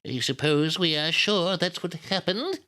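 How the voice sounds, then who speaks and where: Man doing a high, gentle old lady. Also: unhurried. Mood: gentle concern. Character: kindly, gentle old lady consoling a friend.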